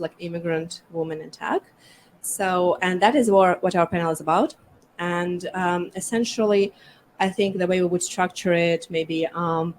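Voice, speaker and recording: Seorang wanita dari Ukraina memandu diskusi panel dengan banyak jeda dan kata pengisi. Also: female voice, lowish voice, a little hiss or hum. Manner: hesitant, many fillers. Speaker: panel moderator. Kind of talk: conversational panel hosting.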